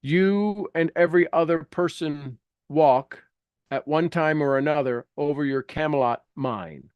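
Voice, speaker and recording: Male coach, slightly high-pitched, blunt and informal, prodding a class, dry recording. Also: a little slow, smooth, no room sound, lo-fi sound. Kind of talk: informal coaching talk mixed with reading aloud from a book.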